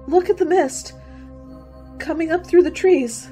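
A woman's voice: very high-pitched, measured pace, mellow, faint music behind. A woman playing an anxious, timid young college student in a radio play, hesitant and easily startled. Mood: frightened awe.

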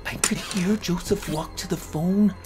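Slow, anguished horror narrator, a woman. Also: fairly low pitch. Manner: theatrical, anguished, deliberate. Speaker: amateur story narrator. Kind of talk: dramatic first-person horror narration. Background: music.

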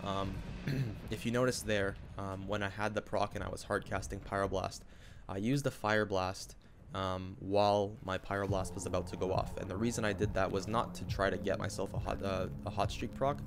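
A man's voice: low-pitched, level tone, moderate pace, few pauses, faint music behind. A man with a cold, sounding a bit nasal, casually explaining a game tactic with lots of filler ums. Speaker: game guide streamer. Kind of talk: casual gameplay tutorial.

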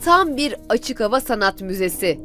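A woman's voice: mid-range voice, big pitch swings, normal speed, music in the background. A woman hosting a travel show, guiding viewers through an outdoor park in an enthusiastic, chatty way. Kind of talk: travel show presenting, part narration.

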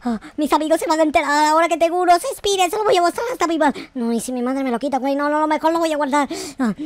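A man voicing a naive, whiny, excitable young boy in a gaming roleplay, melodramatic and exclaiming, repeating his words. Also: extremely high pitch, dry recording. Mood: curious. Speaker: gaming video creator. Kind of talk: excitable gameplay roleplay in slangy speech.

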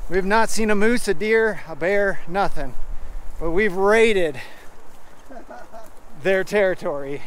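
A man in his thirties hosts an outdoor fishing vlog, excited and casual. His voice sits high and his talk is unhurried. He is recorded on a body-worn camera beside a river, with faint wind and water noise. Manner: excited, says "dude" a lot. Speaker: fly fishing show host. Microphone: body-worn action camera.

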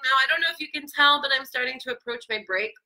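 A woman voice teacher leading a vocal warmup lesson, singing meows that climb higher and coaching in a chatty, encouraging way. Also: fast, soft background music, poor audio. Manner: demonstrates sung meows sliding ever higher.

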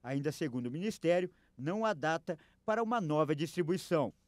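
A Brazilian man reads a news voice-over in a fairly high voice. The scripted narration has a dry studio sound with no echo. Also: lively intonation, a little fast.

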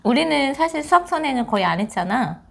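A woman in her forties leads a casual, conversational interview. Her voice sits a little on the high side and her intonation is very lively. She is miked on a lapel in a small indoor space. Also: fast talker, vocal fry. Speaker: interviewer, mother.

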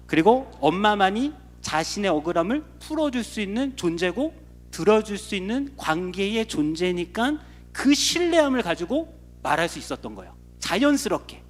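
A man's voice: fairly high pitch, a little hiss or hum. A male pastor preaching a sermon in a church, telling a personal story earnestly and building to impassioned pleading. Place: church sanctuary. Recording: long church reverb with soft instruments behind.

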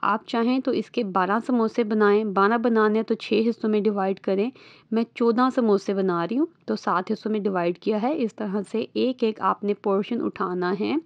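A woman's voice: mid-range voice, normal speed, vocal fry, dry recording, muffled recording. Woman, Lahori accent, patient step-by-step cooking host, close dry voice-over. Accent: Lahori Urdu-Punjabi. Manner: patient step-by-step instructing, often checking in with listeners. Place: voice-over recorded apart from the kitchen footage.

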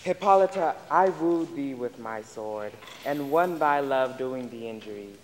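A man's voice: mid-range voice, expressive, measured pace, close to an everyday voice. A man playing a regal duke wooing his bride, stately, in a Shakespeare stage reading. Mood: tender, proud. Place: stage in large auditorium. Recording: hall reverb, faint noise.

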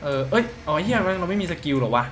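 Man, gamer commentary, bright, forceful tone, foul-mouthed joking banter, reads game lines aloud. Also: high-pitched, sing-song, fast talker, slight background noise. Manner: crude, profane, joking banter. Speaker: mobile game reviewer. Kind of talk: casual let's-play commentary.

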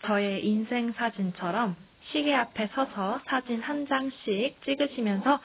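A woman's voice: a little high, a little slow, vocal fry, breathy edge, lo-fi sound. A young woman narrating a walking tour, speaking cheerfully and directly to her viewers. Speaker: tour guide. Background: music.

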